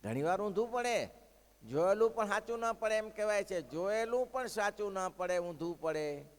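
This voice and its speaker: A male preacher tells devotional stories in a sermon, animated and moving at a moderate pace, swinging from loud exclamations to hushed quotes and asides. His voice sits somewhat high, and a long reverb fills the large hall.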